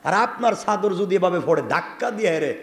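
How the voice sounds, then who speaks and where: Echoey high-voiced Bangladeshi preacher. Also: male voice, fast talker. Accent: Bangladeshi Bengali. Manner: calls out to the audience, swings to loud cries. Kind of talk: waz sermon storytelling. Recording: echoey hall with long reverb.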